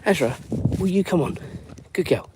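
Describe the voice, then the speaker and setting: A man in his forties from the London area with an English accent and a raspy voice, hosting a live chat while walking his dog outdoors and breaking off to call her along. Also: high voice, animated, moderate pace. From England. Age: 40s. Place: outdoors on a windy street. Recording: windy outdoor phone recording. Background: wind noise.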